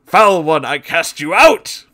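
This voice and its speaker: Man acting a forceful, declamatory exorcist. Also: very animated, slow, exaggerated voice. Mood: fierce command. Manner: declamatory, forceful, booming commands. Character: stern male exorcist, commanding and theatrically solemn.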